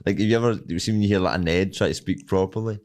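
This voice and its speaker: Scottish lad in his 20s, really low voice, bit mumbly, just chatting away. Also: racing, darkish tone. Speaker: comedian guest. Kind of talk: casual chat.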